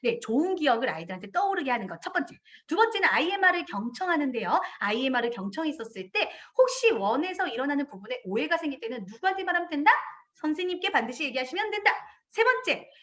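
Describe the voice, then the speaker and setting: A middle-aged woman, a kindergarten director, speaks to parents in a parenting lecture. Her voice sits high and swings widely up and down. She brings the talk to life by acting out children and parents in quoted voices. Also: sing-song, fast, few pauses, a bit bright.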